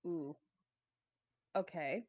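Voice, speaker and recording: A woman's voice: lowish voice, very slow, a little mellow, no echo, dull audio. A woman co-hosting a podcast in casual chat, thinking aloud in a hesitant, reflective way. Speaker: podcast co-host. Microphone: headset.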